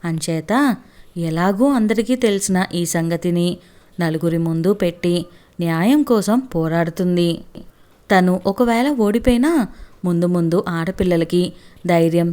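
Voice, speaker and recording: A woman voicing a righteous young man who argues earnestly and forcefully on behalf of a wronged woman in a storybook reading. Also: lowish voice, measured pace, lightly acted. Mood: accusing.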